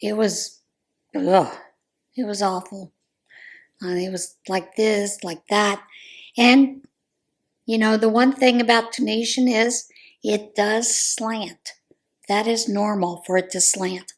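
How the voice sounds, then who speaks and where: Hoarse, chatty American woman vlogger. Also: mid-range voice, steady tone, takes it slowly, pauses often. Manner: chatty, rambling, with frequent ums. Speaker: crochet vlogger. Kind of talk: casual chat.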